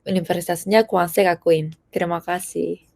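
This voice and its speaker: A woman's voice: lowish voice, fairly even intonation, normal speed, gravelly, darkish tone. A native Japanese woman of twenty-four with a Japanese accent, a university student introducing herself. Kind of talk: self-introduction.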